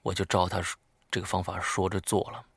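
A man in his thirties with a deep, slightly rough voice narrates a spooky first-person ghost story in a monotone, a little fast, with no room sound. At the tense moments he drops to a whisper.

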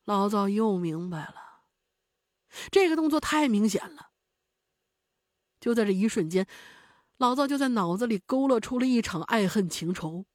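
A woman's voice: medium pitch, expressive, normal speed, long pauses, dry recording, studio quality. A woman narrating a spoken story, in a vivid and dramatic way.

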